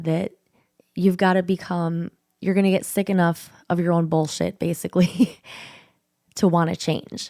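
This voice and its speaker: A woman talks at a moderate pace in a fairly low, husky voice with a dark, mellow tone. Her intonation is monotone and flat, with long, frequent pauses, on a very clean recording with a silent background. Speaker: Reiki practitioner and spiritual coach. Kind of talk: motivational podcast talk.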